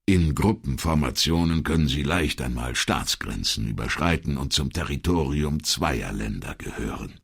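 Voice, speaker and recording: Picture an old jewel dealer, a talkative expert who takes his time, read by a man in an audiobook. The voice sits extremely low and gravelly, with a husky edge. He lectures in a slow, measured way. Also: animated, full character voice. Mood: lecturing. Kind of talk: audiobook character reading.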